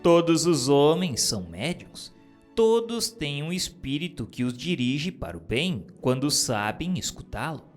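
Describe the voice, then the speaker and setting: Male reader, solemn and declamatory, very slow, with a lively rising and falling pitch, over soft music. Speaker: reader of spiritist texts. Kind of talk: slow solemn reading of dictated messages. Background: soft background music.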